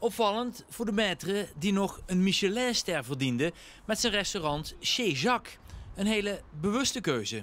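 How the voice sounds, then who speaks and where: This man's voice sits high, and his intonation is lively. He talks fairly slowly. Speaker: news reporter. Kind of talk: TV news narration.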